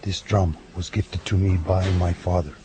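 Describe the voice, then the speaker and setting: Man playing a deep-voiced, solemn medicine man. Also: steady tone, noisy background, lightly acted. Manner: measured, ceremonial, speaks in riddles. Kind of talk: audio drama acting.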